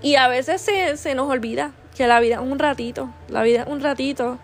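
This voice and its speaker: Female podcast host, higher voice, affectionate and earnest devotional delivery, quiet music bed. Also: fairly quick. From Puerto Rico. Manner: earnest and affectionate, with constant "¿verdad?" tags and restarts. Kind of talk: heartfelt devotional talk.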